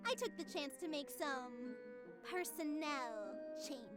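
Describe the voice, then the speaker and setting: Very high-pitched, self-righteous artificial girl tyrant. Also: expressive, takes it slowly, fairly bright tone, soft background music, full character voice. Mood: smug, indignant. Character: cheerful female artificial being, tyrannical, self-righteous, obsessed with her mission. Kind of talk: scripted visual novel narration.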